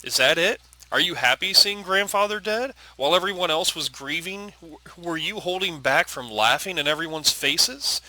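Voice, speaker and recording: A man's voice: mid-range voice, animated, a little fast, sharp tone, rough recording. A man voicing a hurt, defiant teenage daughter in a story game, earnest and confrontational. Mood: hurt, accusing.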